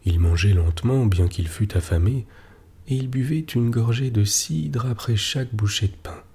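A man reading a classic short story aloud at a measured pace, sometimes sinking almost to a whisper. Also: medium pitch, dark tone, slightly rough. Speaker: reader.

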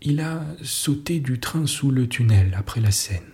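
A man's voice: medium pitch, lively intonation, a little slow, darkish tone, lightly acted. A man reading the part of a distraught, insistent society lady who speaks breathlessly and emphatically. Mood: agitated, insistent.

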